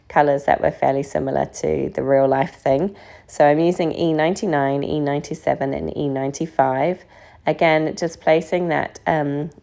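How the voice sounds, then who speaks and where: A woman with a croaky voice from a recent illness, narrating a casual card-making tutorial in a relaxed, chatty way. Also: low-pitched. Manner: relaxed, chatty, frequent ums. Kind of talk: casual craft tutorial voice-over.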